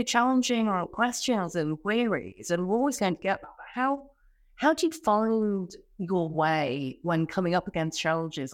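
A woman's voice: lowish voice, no echo. Woman podcast host, dry close sound. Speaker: podcast host interviewing a guest. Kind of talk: conversational interview.

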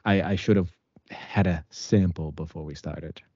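Deep, playful man with a dark tone. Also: fairly even intonation, a little slow, dry recording, highs cut off. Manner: playful and theatrical, fond of grand phrases. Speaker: co-host and whiskey novice. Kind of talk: casual tasting chat.

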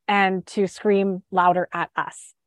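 A woman's voice: mid-range voice, flat delivery, takes it slowly, dry recording. A chatty woman hosts her show from home, talking to live viewers with lots of fillers and restarts. Her voice is stuffed up from a head cold. The sound is close and dry, with no room around it. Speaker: podcast host and sugar freedom coach. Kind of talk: casual live-stream talk.

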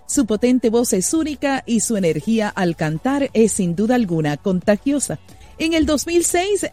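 High-voiced woman host, dry sound. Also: warm tone, no echo. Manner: earnest devotional delivery. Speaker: radio host. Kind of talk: scripted introduction then interview.

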